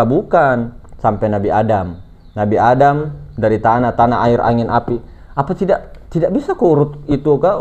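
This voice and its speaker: A man giving a relaxed, joking sermon as a religious teacher, repeating key terms for emphasis. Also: fairly high pitch. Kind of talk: casual sermon on Sufism. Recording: dull lo-fi recording.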